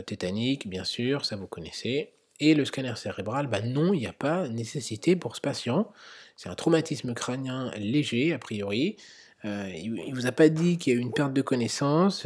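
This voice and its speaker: A man's voice: medium pitch, animated, moderate pace, a little mellow, slightly rough. A man, a medical educator, talking through an emergency-medicine quiz in an explanatory way, with many fillers. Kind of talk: narrated quiz lesson.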